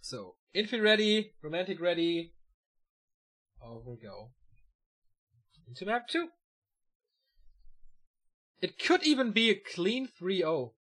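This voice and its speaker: A man casting a live esports match: fast, excitable play-by-play that climbs at big moments, and relaxed chat with viewers between games. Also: sits high. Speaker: esports caster. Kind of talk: live video game match commentary.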